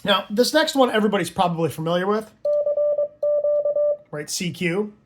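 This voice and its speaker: High-pitched man giving an informal tutorial. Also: normal speed, noisy background. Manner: conversational, checks understanding with tags like "right?" and "okay?". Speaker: amateur radio hobbyist teaching Morse code.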